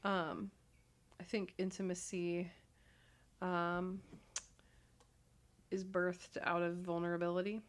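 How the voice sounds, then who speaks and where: A woman in her thirties co-hosting a casual marriage advice talk, agreeing often and filling pauses with ums. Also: on the low side, level tone. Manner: agreeable, frequent affirmations and ums. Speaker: podcast co-host.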